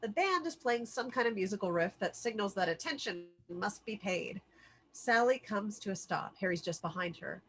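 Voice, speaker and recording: In a medium-pitched voice with lively intonation and normal speed, a woman acts as stage-direction reader at a table read. She narrates the screenplay's scripted scene headings and action lines.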